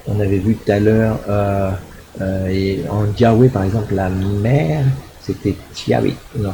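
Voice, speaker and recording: A man's voice: fairly low pitch, noisy background. A middle-aged man, a university lecturer, explaining a recorded lecture with frequent fillers, restarts and tag questions to check understanding. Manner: hesitant, many fillers and restarts.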